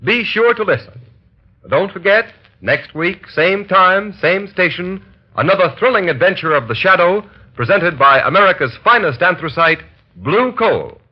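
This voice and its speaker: Lively 1930s radio announcer, a man. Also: high-pitched, normal speed. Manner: upbeat, emphatic. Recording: muffled old radio recording with music.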